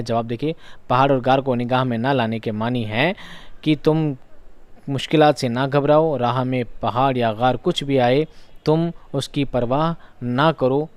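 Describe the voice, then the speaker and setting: A man's voice: mid-range voice, moderate pace, no room sound. A male teacher giving an exam revision lesson, asking questions aloud and repeating each key answer for his students.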